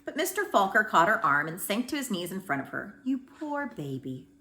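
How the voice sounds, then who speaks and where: A woman reads a children's story aloud in a mid-pitched voice. Her intonation is very lively, rising and falling widely, and she shapes each phrase deliberately and dramatically as a storyteller. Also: slight background noise. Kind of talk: expressive scripted storybook narration.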